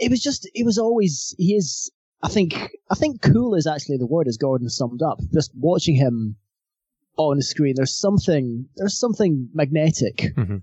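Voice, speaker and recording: This man speaks at a moderate pace in a Scottish accent, his pitch fairly high. His pitch swings very widely. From Scotland. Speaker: podcast co-host. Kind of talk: casual chat.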